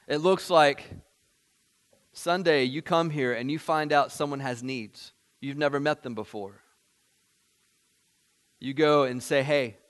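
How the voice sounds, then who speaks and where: A male pastor preaching a sermon to his church, earnest, rising to emphatic points and then dropping soft. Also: on the high side.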